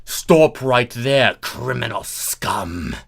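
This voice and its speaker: Performer doing slow, growling changeling police. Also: medium pitch, animated, creaky, full character voice. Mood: menacing. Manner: growling, commanding. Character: pompous, menacing squad of changeling police.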